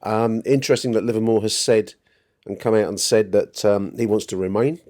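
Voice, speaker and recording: Bloke doing a footy podcast, lowish voice, rambles a bit and repeats himself while he thinks. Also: steady tone, fairly quick, a little mellow. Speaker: podcast host. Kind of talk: conversational football commentary.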